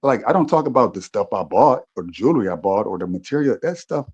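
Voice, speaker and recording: A man's voice: fairly low pitch, lively intonation, quick pace, a little mellow, husky. Reflective man, dull lo-fi sound. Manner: reflective, rambling with many restarts. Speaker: podcast co-host. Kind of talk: casual chat.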